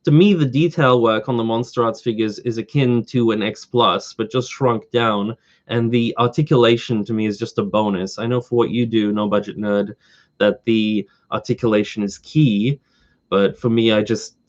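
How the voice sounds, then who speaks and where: A man hosting a casual live stream, slightly hoarse from talking all day, rambling eagerly as he answers viewers. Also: on the low side, fairly even intonation, moderate pace, dull audio. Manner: rambling, eager collector fan.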